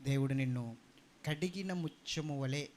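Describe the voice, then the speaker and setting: A male pastor preaching a sermon in a church, calling out questions to the congregation and swinging between emphatic peaks and quieter stretches. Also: mid-range voice, measured pace, a little hiss or hum. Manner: preaching with call-and-response to the congregation; rising and falling emphatic delivery. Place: church hall.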